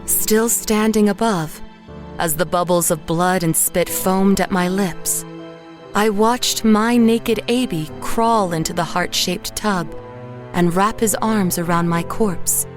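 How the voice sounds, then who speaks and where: An actress playing a haunted woman painter who narrates horror in a measured, literary way. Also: medium pitch, soft background music, close to an everyday voice. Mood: grim, resigned. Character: haunted woman painter narrating her own murder, dazed and grim. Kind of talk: first-person horror audio drama narration.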